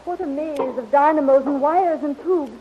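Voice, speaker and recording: A curious, eager young heroine played by a woman in a 1930s radio adventure. Her voice is high and questioning, on a muffled recording with a little noise. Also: normal speed, warm tone, lightly acted. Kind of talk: 1930s radio serial acting.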